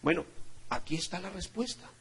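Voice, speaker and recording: A man with a Mexican Spanish accent preaching a sermon as pastor, swinging from loud emphatic peaks to low quiet asides. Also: animated, normal speed, vocal fry.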